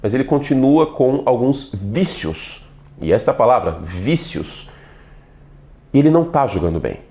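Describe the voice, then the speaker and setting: A middle-aged man from São Paulo with a neutralized accent, hosting a solo football commentary video in an animated, playful, chatty way with lots of asides. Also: mid-range voice, normal speed. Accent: neutralized São Paulo Portuguese. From São Paulo, Brazil. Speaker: NFL analyst and channel host.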